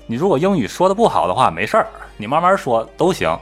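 A man telling a travel story in a casual podcast chat, animated and fond of mimicking voices. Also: mid-range voice, fast talker, faint music behind.

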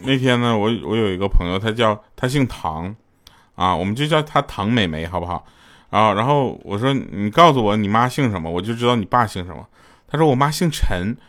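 A man's voice: fairly low pitch, animated, brisk, faint music behind. A man, casually telling jokes and funny stories to his audience, laughing often and acting out dialogue in raised voices. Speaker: livestream host telling jokes. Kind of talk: casual comic storytelling. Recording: loud background noise with clicks.

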